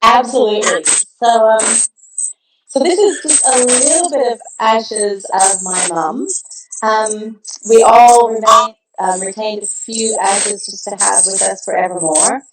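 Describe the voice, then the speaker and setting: A middle-aged woman from the American Midwest, a guest telling her story in a warm, reflective way over a video call. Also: a little high, unhurried. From Kansas, American Midwest. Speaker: guest, balm founder. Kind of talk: casual video interview. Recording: echoey room, distant mic, background noise.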